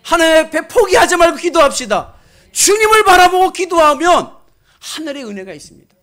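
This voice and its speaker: A man's voice: very high-pitched, very animated, a little fast, a bit bright. A man preaching a sermon as a pastor, exhorting emphatically and putting questions to his listeners. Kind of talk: sermon with storytelling and direct questions to congregation.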